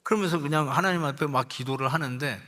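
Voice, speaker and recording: A man's voice: fairly high pitch, fast talker, bright, forceful tone. An older man preaching a sermon, telling a personal story in an emotional, conversational way, acting out quoted lines and dropping in English words. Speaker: pastor.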